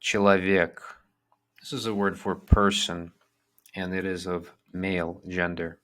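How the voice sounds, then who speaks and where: Man, very deep voice, unhurried, patient language teacher. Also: little pitch movement, a bit bright. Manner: slow, patient, repeats each word twice. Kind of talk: vocabulary lesson.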